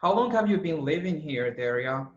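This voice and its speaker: A man, an English student, reading a practice dialogue in a quiet, measured way over a video call. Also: a little high, animated. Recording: roomy, dull video call audio.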